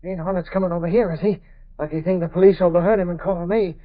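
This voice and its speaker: A man's voice: high voice, steady tone, fast, natural voice. Guy doing a sneaky crook muttering, lo-fi old radio play. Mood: hurried. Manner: muttering to himself. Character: sneaky crooked man in a hurry. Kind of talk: 1930s radio drama acting. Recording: dull old radio recording.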